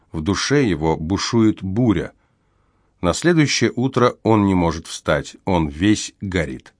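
A male narrator with a low voice reads an audiobook in a measured, grave way. The sound is dry and close, recorded in a studio booth. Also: dry recording. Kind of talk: scripted narration.

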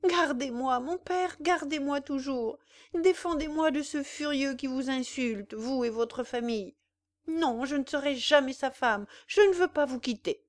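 A terrified young bride pleading, as a woman reads her. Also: a little slow. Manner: high, pleading and frightened.

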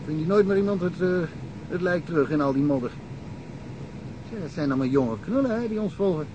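A wry, talkative small-town cop, played by a man rambles through old cases with a dry chuckle. His voice sits a little high, with a faint hiss behind it. It is a radio play. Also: animated, fairly quick, highs cut off, natural voice. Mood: amused, chatty. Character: chatty provincial cop, male, middle-aged, wry. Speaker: local police detective. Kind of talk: radio drama acting.

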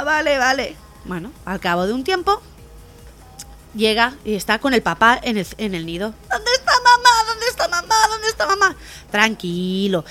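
A woman co-hosting a community radio comedy show, telling jokes with animated storytelling and laughing along. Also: on the high side. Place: radio studio.

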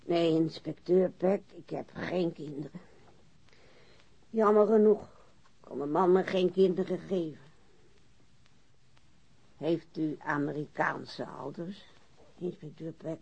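Casting: boozy, refined widow, slow and prickly, with a gravelly, raspy female voice, for a muffled radio play. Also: lowish voice, dark tone, exaggerated voice. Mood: brittle politeness. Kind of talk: radio drama acting.

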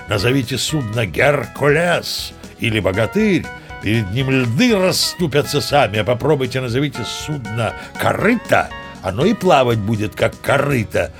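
An actor playing a boastful old sea captain who tells tall tales expressively in an audio play, savoring his words. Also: medium pitch. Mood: proud. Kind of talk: theatrical storytelling in an audio play.

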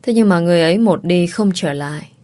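A woman voicing a sick older mother who speaks gently and wistfully, with a teasing touch. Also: fairly low pitch, fast talker, lightly acted. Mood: gentle.

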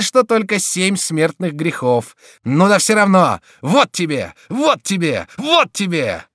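A man's voice: sits high, a bit bright, no echo, studio quality, voice pushed up, heavily acted. A man voicing a gleeful, mocking male jester who taunts with theatrical exclamations.

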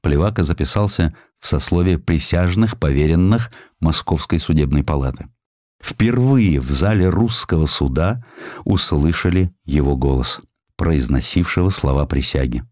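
A man reading a historical sketch as an audiobook narrator, in an expressive, theatrical storytelling style. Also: a bass voice, moderate pace, dry recording, studio quality. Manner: theatrical, dramatic storytelling delivery.

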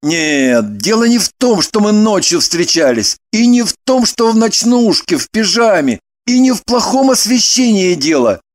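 A flustered young man, as a woman reader puts him on, earnest and insistent, blurting things out in halting bursts. The voice has an odd, altered timbre and swings widely in tone for an audiobook figure. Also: medium pitch, very animated, natural voice.

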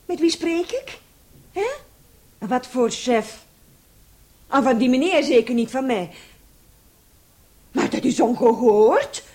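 A woman's voice: sits high, animated, slow, long pauses, darkish tone. An actress playing an indignant woman householder in a radio play, full of questions and exclamations. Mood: indignant, suspicious. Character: indignant woman flat owner confronting burglars.

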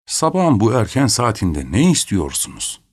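A man voicing a grumpy old male doorkeeper, with a muffled, husky voice and short, evasive replies. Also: on the low side, huge pitch swings, normal speed, darkish tone, full character voice. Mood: curt.

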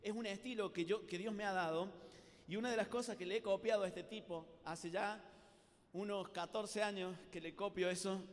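A man with a Córdoba Argentine accent, preaching a lively retreat sermon as an animated showman who acts out scenes, in a large hall. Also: high-pitched, normal speed. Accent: Córdoba Argentine Spanish. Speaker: Catholic youth preacher. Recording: long reverb of a big hall.

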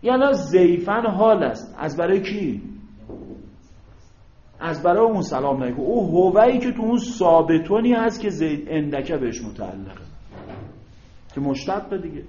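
A man's voice: a little high, big pitch swings, pauses often, warm tone. Man teaching in an echoey classroom. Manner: explains step by step, prompting students to fill in words; asks rhetorical check questions. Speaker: Arabic grammar teacher. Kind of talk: classroom lecture. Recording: roomy, dull lo-fi classroom recording.

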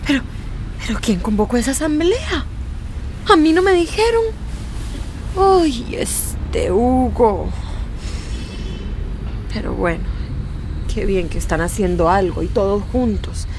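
An actress playing a nosy, talkative villager who is miffed at being left out, in a radio drama. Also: female voice, a little high, animated, takes it slowly, pauses often, noisy background. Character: nosy adult female villager.

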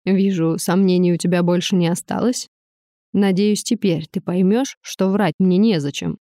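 A woman reader voicing a calm, mocking young male suitor, speaking slower and a touch lower. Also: dry recording, clean studio sound, natural voice. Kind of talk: audiobook narration.

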